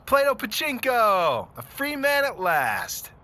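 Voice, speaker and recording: A man's voice: very high-pitched, huge pitch swings, slow pace, noisy background, heavily acted. An actor playing a cocky, upbeat scooter racer in his twenties in an audio drama, boasting in laid-back slang. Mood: playful. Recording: music clearly behind the voice.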